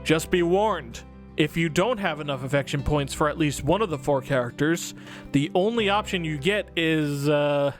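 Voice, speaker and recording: A man whose voice is on the high side, speaking at a moderate pace, hosts a scripted comedic game review video. He talks casually, swearing and exaggerating his emphasis, with background music running under his voice.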